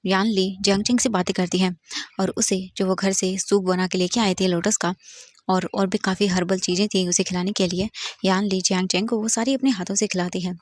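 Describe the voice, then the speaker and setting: A woman's voice: medium pitch, steady tone, fairly quick, no echo. A woman casually retelling a fan fiction story in plain narration, dropping English words in.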